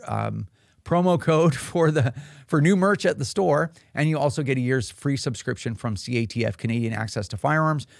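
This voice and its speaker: Gravelly, chatty man hosting a podcast. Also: mid-range voice, no room sound, studio quality. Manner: rambling, many restarts and fillers. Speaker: podcast host. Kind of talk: casual talk show monologue.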